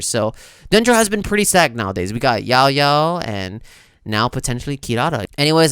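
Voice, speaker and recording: A man hosts a casual gaming reaction video in a mid-pitched voice. He explains things conversationally, dropping in small filler asides as he goes. Music plays behind him. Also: fairly bright tone, smooth, no room sound, clean studio sound. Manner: conversational, explanatory, frequent "you know" asides. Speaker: video host reacting to game character preview. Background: background music.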